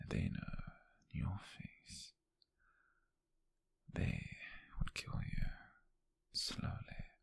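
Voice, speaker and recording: A British man playing a possessive, obsessive mafia kidnapper in an ASMR roleplay, speaking slowly in a breathy, husky whisper with a menacing tenderness. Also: low-pitched, no echo, heavily acted. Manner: slow, deliberate, menacingly tender.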